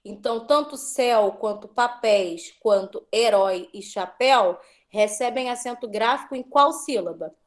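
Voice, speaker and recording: A woman's voice: on the high side, normal speed, hardly any pauses. A woman teacher giving an online class, patiently drawing out words as she drills syllables.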